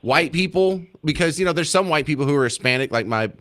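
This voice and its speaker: A man hosting a call-in talk radio show, wry and animated as he takes callers. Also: a little high, fast. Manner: wry, animated, takes calls and argues points.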